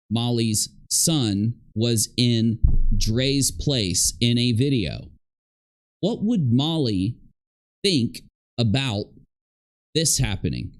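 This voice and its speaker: A man hosting a casual reaction stream, talking straight to his audience and posing hypothetical questions. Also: mid-range voice. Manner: talks directly to viewers, posing hypothetical questions. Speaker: commentary livestream host.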